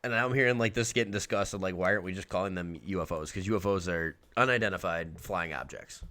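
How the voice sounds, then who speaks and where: A man co-hosting a casual podcast, talking in an animated way, swearing freely and saying "like" a lot. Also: low voice, quick pace. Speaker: podcast co-host. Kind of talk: casual chat.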